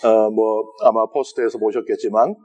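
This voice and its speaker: A Catholic priest with a Gyeongsang Korean accent giving a Bible lecture to a congregation in a large church, chatty and asking the audience questions. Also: male voice, fairly low pitch, fairly even intonation, moderate pace, warm tone. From South Korea.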